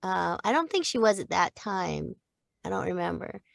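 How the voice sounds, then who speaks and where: A woman's voice: on the low side, sing-song, moderate pace, gravelly, no room sound, clean studio sound. A woman in her fifties, a voice actor, telling long rambling stories in a casual interview, with many restarts and little quoted voices. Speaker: voice actor guest.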